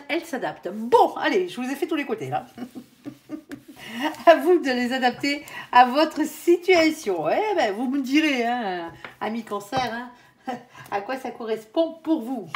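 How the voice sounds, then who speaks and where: A woman gives a relaxed, chatty tarot reading, her voice sitting a little high. Her nose is stuffed up, so everything comes out nasal. She keeps dropping small fillers at the ends of her phrases. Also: slight background noise. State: stuffy nose, coming down with a cold. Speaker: tarot card reader. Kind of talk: casual tarot reading to camera.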